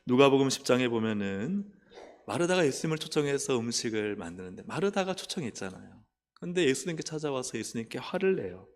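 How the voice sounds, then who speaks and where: A male pastor preaching a lively sermon, putting questions to the congregation. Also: mid-range voice, fairly quick. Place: church sanctuary. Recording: long church hall reverb.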